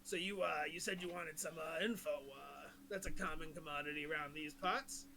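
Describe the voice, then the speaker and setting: A sly, easygoing tavern bartender speaks in a loose, offhand drawl, voiced by a woman. The voice stays close to a plain speaking voice, with steady noise on the line. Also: sits low, moderate pace, voice pushed down. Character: laid-back tavern bartender, sly man.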